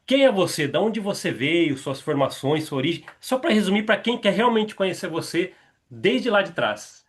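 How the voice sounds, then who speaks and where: A man's voice: sits high, big pitch swings, normal speed, slightly rough. A Brazilian man hosting a podcast, asking his guest questions in a friendly, chatty way. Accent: Brazilian Portuguese. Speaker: podcast host. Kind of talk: interviewing a guest.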